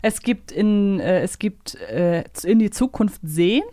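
Woman podcaster, enthusiastic and chatty, rambles a bit thinking out loud, dry close sound. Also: mid-range voice, expressive, a little slow, dry recording. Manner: enthusiastic, thinks aloud in long winding sentences. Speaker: podcast host. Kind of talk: casual fan chat and quiz banter.

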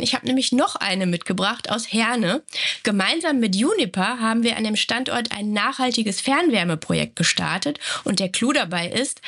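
Female news co-host, fairly high voice, stuffy cold, husky tone. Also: a bit bright. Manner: friendly, conversational. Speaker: co-host of a company news show. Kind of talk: casual scripted news chat.

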